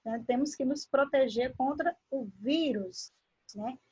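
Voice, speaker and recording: A woman teacher from Brazil, giving a grammar lesson. She draws words out slowly and asks the class questions as she explains. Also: high voice, a little mellow, husky, highs cut off. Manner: slow, drawn-out word pronunciation with questions to the class.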